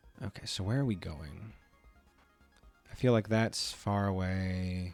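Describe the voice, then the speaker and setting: Over music in the background, a man talks quietly at a fairly slow pace, his very deep, low voice showing ordinary pitch variation. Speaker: game streamer. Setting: at home late at night. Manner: talks quietly, hushed.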